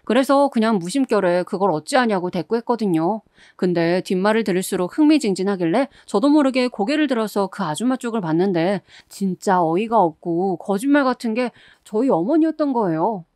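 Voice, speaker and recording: A woman's voice: medium pitch, expressive, fairly quick, darkish tone, no echo, studio quality. A woman reading a first-person story as a radio-style narrator, in a confiding storytelling manner.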